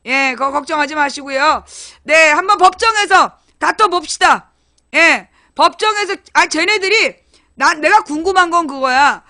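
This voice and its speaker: A woman talking on a live stream in a blunt, crude, colloquial way, acting out little scenes in loud put-on voices as she comments. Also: sits high, moderate pace. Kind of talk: casual live-stream chat.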